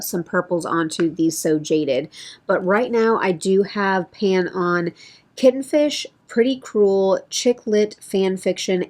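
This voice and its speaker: A woman beauty vlogger chatting casually through a product update, thinking aloud and correcting herself, with a voice that feels a bit strained. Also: mid-range voice.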